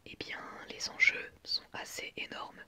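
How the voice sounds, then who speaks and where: Un homme qui anime une vidéo ASMR, au chuchotement doux, avec un phrasé hésitant. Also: male voice, measured pace. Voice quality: soft unvoiced whisper. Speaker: host of an anime ASMR channel. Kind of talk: whispered ASMR commentary.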